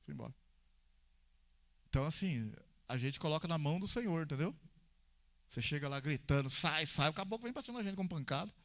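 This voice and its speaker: High-pitched Brazilian pastor preaching. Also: male voice, quick pace, long pauses. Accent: Brazilian Portuguese. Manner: storytelling with acted dialogue, swings between calm and loud. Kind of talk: sermon.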